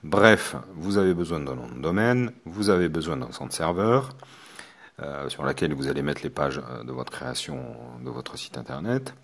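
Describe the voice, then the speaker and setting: A man's voice: rumbling low, sing-song, moderate pace, creaky. A man from France, a hypnotherapist teaching a course, talking hesitantly with many fillers and restarts. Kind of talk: spoken lesson to students.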